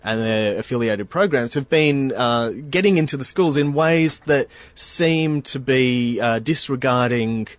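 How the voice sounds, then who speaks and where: A man co-hosting a podcast, talking haltingly with many restarts and fillers. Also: medium pitch, no echo. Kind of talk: casual podcast discussion.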